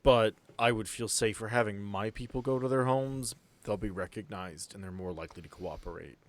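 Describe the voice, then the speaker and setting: A man voicing a firm, protective small-town female sheriff who speaks frankly, in a measured, matter-of-fact way. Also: lowish voice, natural voice. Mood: firm, cautious.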